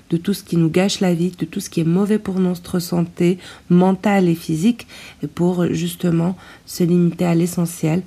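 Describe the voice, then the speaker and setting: A woman hosts a casual solo podcast in a fairly low, very mellow voice. She talks hesitantly, leaving drawn-out pauses. The sound is a low quality stream, captured on a tablet's built-in microphone. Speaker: podcast host. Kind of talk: informal solo podcast talk. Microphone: tablet's built-in microphone, no proper mic.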